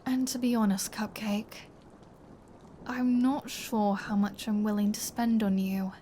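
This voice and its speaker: A woman's voice: medium pitch, warm tone, slight background noise, close to an everyday voice. A woman voicing a flirty, menacing vampire in an intimate ASMR roleplay, teasing and sardonic, often slipping into a whisper. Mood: wry, possessive. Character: flirty, menacing female vampire taunting her captive hunter.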